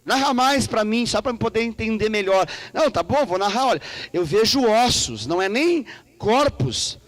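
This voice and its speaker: A male Brazilian pastor delivers an animated, playful sermon, acting out conversations in changing voices. His voice sits high and leaps through a wide, lively range. The sound is close and dry, with no room echo. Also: normal speed. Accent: Brazilian Portuguese. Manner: animated, acts out dialogues with God in shifting voices; playful, joking and laughing with the congregation. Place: church service.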